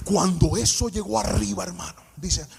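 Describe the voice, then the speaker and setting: A man's voice: high voice, normal speed, gravelly. A man preaching a sermon, passionate and storytelling, often singing out his phrases.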